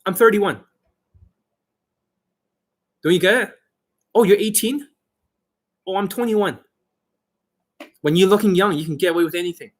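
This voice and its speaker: A man giving informal coaching to online viewers as their host, brash and boastful, with emphatic, sweary delivery and a slightly rough, husky voice. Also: high voice, moderate pace, pauses often. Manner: acts out mock exchanges, emphatic.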